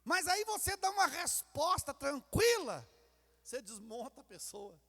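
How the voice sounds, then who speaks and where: Brief: Brazilian pastor, high lively voice, preaching in a long-echo hall. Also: male voice, unhurried. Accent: Brazilian Portuguese. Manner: acts out quarrels in character voices. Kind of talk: sermon. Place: church sanctuary. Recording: reverberant church hall.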